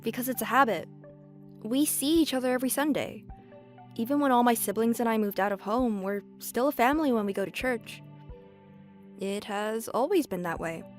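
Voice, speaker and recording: Woman acting a feisty, high-voiced young woman. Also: lightly acted. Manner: feisty, emphatic, forthright. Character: outspoken, fiery, stubborn young woman working as cashier. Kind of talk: fan audio drama acting.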